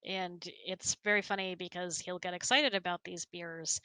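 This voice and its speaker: A woman's voice: lowish voice, steady tone, normal speed, bright, forceful tone, smooth, no room sound. A woman host chatting casually and answering audience questions in a giggly, chatty way.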